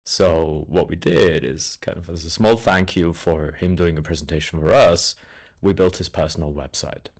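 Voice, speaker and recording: Low-voiced man from Switzerland, interview guest. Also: steady tone, normal speed. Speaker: interview guest, speakers' agent. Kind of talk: conversational interview.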